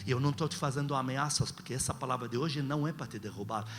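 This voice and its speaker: Racing along at medium pitch, a Brazilian-accented pastor preaches emphatically, exhorting the congregation and asking rhetorical questions in a call-and-response sermon. There's slight background noise, plus music and long hall reverb.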